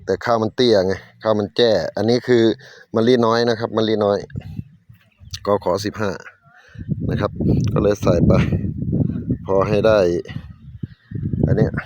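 Casting: male farmer vlogger, low voice, Isan northeastern Thai accent, casual narration, some background noise.

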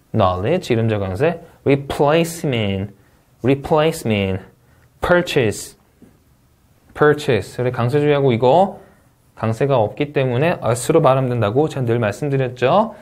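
A man teaching a test-prep review lecture, talking in an emphatic, upbeat way and often punctuating points with quick interjections. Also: medium pitch. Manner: lively, emphatic teaching with frequent "자" and "오케이".

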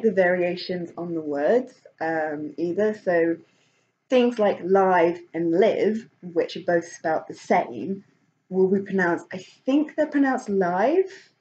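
Woman vlogger, lower voice, casual rambling chat, muffled lo-fi recording. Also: darkish tone. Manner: rambling, many fillers and restarts, laughs often. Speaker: vlogger and author.

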